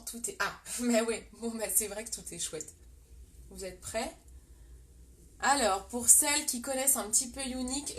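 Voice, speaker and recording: A young French woman with a French accent hosts a live makeup tutorial, her fairly high voice sounding fairly bright over slight background noise. Chatty throughout, she talks to her viewers and reads out their comments.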